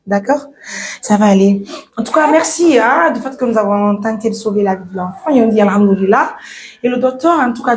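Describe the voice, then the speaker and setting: A woman's voice: mid-range voice, a little mellow. A woman journalist, coaxing and soothing as she gives an emotional vlog update. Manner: soothing, coaxing, often dropping to a whisper. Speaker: humanitarian journalist.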